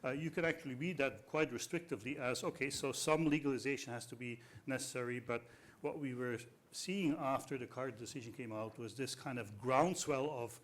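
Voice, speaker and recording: A middle-aged man from Belgium whose first language is Dutch, a law professor on a panel, speaking in a measured, hesitant way. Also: mid-range voice. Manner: measured, hesitant, many uh fillers. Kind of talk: panel discussion.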